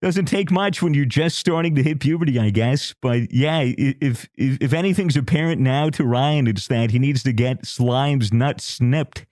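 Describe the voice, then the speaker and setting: A man's voice: mid-range voice, normal speed, few pauses, darkish tone, no room sound, studio quality. A man on a podcast telling a crude story in a casual, laughing way, full of restarts and swearing. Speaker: podcast co-host.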